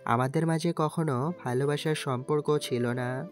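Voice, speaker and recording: A man's voice: on the high side, steady tone, normal speed, close to an everyday voice. Man acting an anxious, earnest young student. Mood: pleading. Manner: pleading, earnest. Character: anxious, ordinary young male college student. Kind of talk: Bengali audio story acting and first-person narration. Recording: music under the voice.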